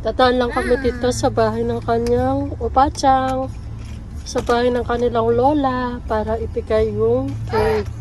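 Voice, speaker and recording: Filipina mom vlogger chatting, kinda high voice, unhurried, stuff going on behind her. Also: level tone, darkish tone. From Philippines. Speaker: vlogger and mother. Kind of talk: casual family vlog chat.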